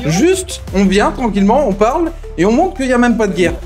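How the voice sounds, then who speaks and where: A man's voice: very high-pitched, very animated, fairly quick, over music. A man improvising a hot-headed gang brawler in a gaming roleplay, confrontational and full of swearing. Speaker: GTA roleplay gamer and streamer.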